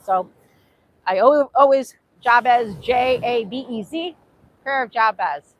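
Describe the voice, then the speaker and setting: Speaking slowly in a fairly high voice, a woman with a Hungarian accent, Hungarian being her native tongue, gives an earnest faith-based motivational talk to camera outdoors at a beach. As an author and host, she repeats herself frequently and carefully overpronounces her words, with slight background noise behind her.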